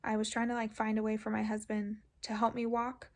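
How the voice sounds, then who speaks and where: A woman telling a personal story casually, in a halting way with many filler words. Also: on the high side, monotone. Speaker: patient vlogger recounting surgery.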